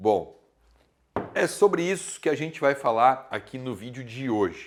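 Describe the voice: A man puts on a hoarse character voice. He keeps a medium pitch at a moderate pace.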